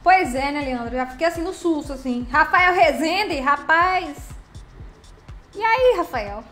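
Woman, high voice, affectionate live-stream host, roomy echo. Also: expressive, a little slow, fairly bright tone. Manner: chatty and affectionate, calls viewers by name and pet names. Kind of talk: casual live-stream chat greeting viewers. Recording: roomy echo with faint background music.

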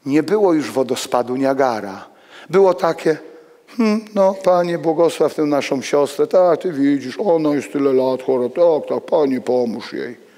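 Animated older pastor in an echoing church. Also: male voice, measured pace. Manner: animated, walks among the pews, swings between loud exclamations and hushed low asides. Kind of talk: sermon. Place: church hall with pews and congregation. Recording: long reverb of a church hall.

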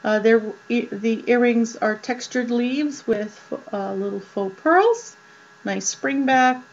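A woman with a slightly high voice talks slowly and casually as she shows off jewelry, filling pauses with ums and uhs. The sound is dull and lo-fi, with a mains hum underneath. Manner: slow and chatty, many ums and uhs. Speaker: jewelry vlogger. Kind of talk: casual show-and-tell.

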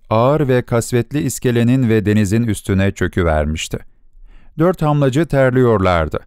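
A man narrating a short story for an audiobook in a measured storytelling delivery. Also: lowish voice, darkish tone, clean tone, dry recording, studio quality. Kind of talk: scripted narration.

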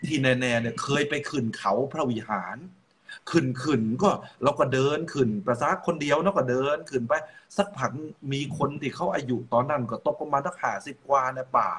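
A man's voice: medium pitch, a little fast, a bit bright, a little hiss or hum. A man with a Rayong accent, chatting on a radio show and telling stories, often repeating words as he gets going. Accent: Rayong Thai. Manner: storytelling, repeats words when starting. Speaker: co-host. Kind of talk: casual radio chat.

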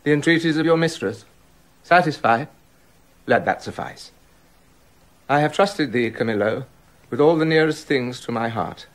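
A man's voice: medium pitch, moderate pace, pauses often, no echo, close to an everyday voice. An actor playing a jealous, brooding king in a radio drama, muttering bitter asides and building to angry accusation. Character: jealous brooding king, middle-aged man.

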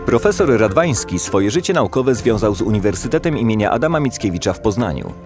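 A man reading scripted documentary narration in an even, formal manner over music. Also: lowish voice, brisk.

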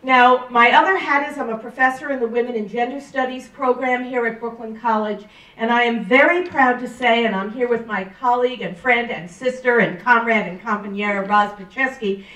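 A middle-aged woman professor giving a loud, emphatic speech at a campus event, holding a handheld mic. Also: on the high side, brisk. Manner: loud, emphatic, listing with rising stress. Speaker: professor reading a statement. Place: large lecture room. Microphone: handheld mic, far camera. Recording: roomy hall from far off.

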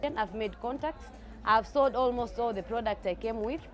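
A woman's voice: a little high, normal speed, faint music behind. A woman from Tanzania, a company CEO, speaking earnestly in an interview. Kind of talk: interview testimonial.

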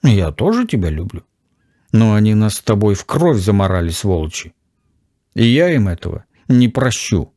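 A man's voice: on the low side, sing-song, normal speed, mellow, no echo, clean studio sound. A man doing a grim, curt young avenger. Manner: curt, threatening. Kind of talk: audiobook character voice.

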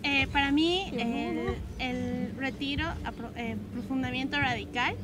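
A young woman from Bolivia with a high voice speaks haltingly, often restarting her sentences. She sits outdoors on a lawn, caught by a faraway camera, with loud music under her voice. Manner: hesitant, with many restarts. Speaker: camp participant. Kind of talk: testimony to camera. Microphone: far camera.

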